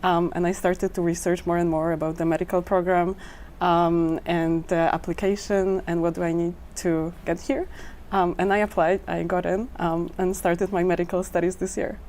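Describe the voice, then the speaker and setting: A woman's voice: on the low side, level tone, moderate pace, a little mellow, a little hiss or hum. A young woman in her twenties from Poland, a medical student on a panel, talking casually with many ums. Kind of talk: panel discussion.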